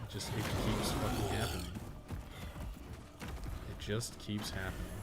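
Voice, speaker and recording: A man's voice: on the low side, little pitch movement, measured pace, very noisy. A man live-streaming a video game with casual, slangy commentary, swearing freely and sometimes muttering to himself as he plays. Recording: music behind the voice. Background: music.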